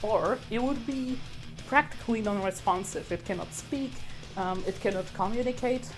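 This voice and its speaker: Over loud background music, a young woman whose first language is Polish, an artist, rambles chattily through a casual voice-over, using lots of fillers. She speaks at a normal speed in a mid-range voice.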